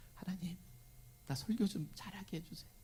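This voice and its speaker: A somewhat breathy man talks at a fairly quick pace with lively intonation, and audible room echo surrounds him. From South Korea. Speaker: pastor. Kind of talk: sermon.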